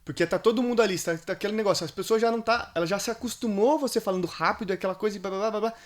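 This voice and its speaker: A man with a Brazilian Portuguese accent hosting a podcast, chatting casually and sharing anecdotes. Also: high voice. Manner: quick, chatty, shares anecdotes. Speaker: podcast host.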